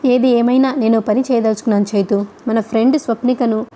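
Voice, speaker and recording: A woman's voice: on the high side, steady tone, fast talker, warm tone, lightly acted. A woman voicing a distressed young married woman who speaks in a pleading, plaintive way.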